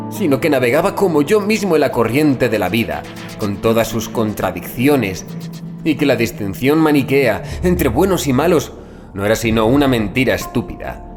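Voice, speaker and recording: With a music bed behind him, a man at medium pitch reads a scripted horror story as an audiobook narrator. His delivery is grave, deliberate, and dramatic, and his phrase endings are drawn out.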